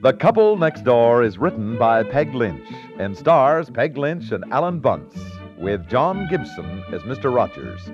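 An American man announces in polished 1950s radio style. His scripted delivery is very animated in pitch. Music plays behind him, and the recording is dull and dated. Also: a little slow, few pauses.

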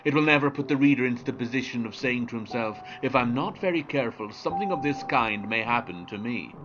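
A man's voice: medium pitch, expressive, fast talker, music in the background, lightly acted. A man reading as a learned Edwardian author, precise and bookish, in a literary quotation on a dull recording. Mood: measured, cautionary. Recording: dull, muffled lo-fi sound.

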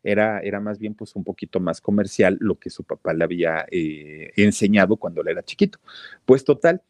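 A man's voice: sits low, animated, brisk, darkish tone, no room sound. A man with a Mexican accent, hosting a podcast and retelling a story in a chatty way, full of fillers and restarts. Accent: Mexican Spanish. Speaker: podcast host.

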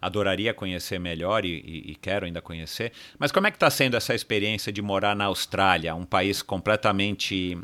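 A man's voice: low-pitched, brisk, hardly any pauses, pushed and bright. A man with a Brazilian Portuguese accent, interviewing and asking long, rambling questions. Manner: rambling, searching questions full of fillers.

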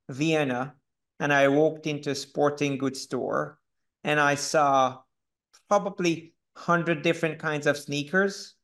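A man in his fifties from Hungary, with a Hungarian accent, answering interview questions in a thoughtful, unhurried way with pauses. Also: a little high, a bit bright. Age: 50s. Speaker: guest. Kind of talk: conversational interview.

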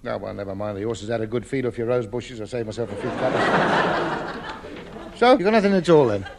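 A man's voice: medium pitch, expressive, brisk, heavy background noise, natural voice. A man playing a wily junk dealer. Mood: haggling. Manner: wheedling, street-trader patter. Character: wily, haggling rag-and-bone man. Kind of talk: 1950s radio sitcom acting.

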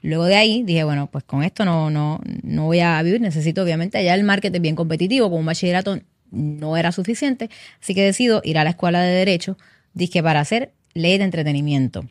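A woman in her thirties from Puerto Rico speaks with a Puerto Rican Spanish accent, answering interview questions as a defense lawyer. She is chatty and mixes English words into her Spanish, in a slightly low voice. The recording is dry and close. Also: fast talker, no echo. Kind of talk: interview guest, casual conversation.

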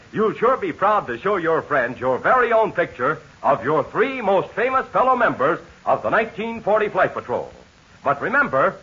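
A man with an American accent announcing in an old 1940s radio style, pitching enthusiastically to young listeners like a salesman. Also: bright, forceful tone, breathy edge. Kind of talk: old-time 1940s radio announcer, serial outro and ad read. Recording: dull, lo-fi vintage radio transcription.

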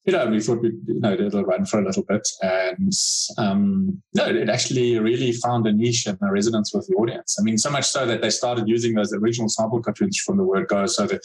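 A man's voice: on the low side, a little mellow, poor audio. A middle-aged man from South Africa, a cartoonist talking casually in an interview, with many fillers and restarts. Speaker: cartoonist guest.

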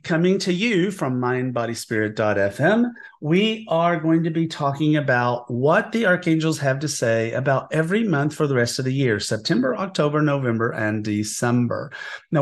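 A man hosting a tarot podcast, chatty and enthusiastic, a little sniffly and scratchy from a cold. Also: on the high side. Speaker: podcast host, tarot reader. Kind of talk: casual podcast talk.

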